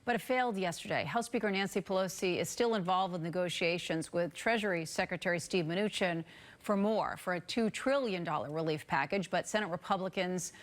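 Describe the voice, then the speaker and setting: A woman's voice: fairly low pitch, fairly quick. A woman news anchor reading scripted morning news headlines in a broadcast style.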